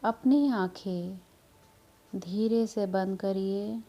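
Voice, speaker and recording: A woman leading a guided meditation in a soothing, measured manner, leaving long pauses between short instructions. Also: mid-range voice, dark tone. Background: background music.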